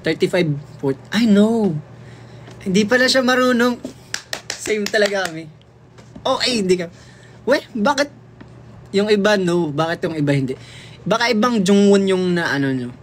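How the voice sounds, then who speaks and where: A man's voice: sits high, moderate pace, pauses often, slight background noise. Playful young man chatting on a livestream. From Philippines. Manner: playful, chatty, reads and answers comments aloud; switches freely between languages mid-sentence. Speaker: livestream host. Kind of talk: casual livestream chat.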